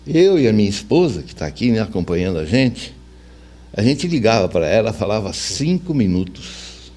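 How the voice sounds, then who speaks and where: A man's voice: lowish voice, big pitch swings, normal speed, dark tone. An older man with a Brazilian accent, telling anecdotes casually and colloquially as an interview guest. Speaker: interview guest, veteran radio journalist.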